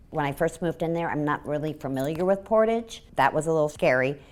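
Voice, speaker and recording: A woman with an American accent and a fairly low pitch talks at a fairly quick pace in an unremarkable speaking voice with ordinary pitch variation. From California. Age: 60s. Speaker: formerly homeless community member. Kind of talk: personal testimony.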